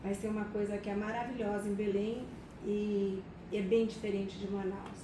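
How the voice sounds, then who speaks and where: A woman's voice: medium pitch, flat delivery, normal speed. A woman chatting casually in a group meeting. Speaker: reading circle participant. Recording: echoey room from far off, noisy.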